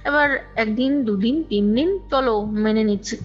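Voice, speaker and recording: A woman with a fairly high voice recounts her own experience in a chatty, emphatic way. She often repeats phrases and drops in English words. The sound is a dull, lo-fi call recording with music playing underneath. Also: measured pace. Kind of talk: conversational personal storytelling.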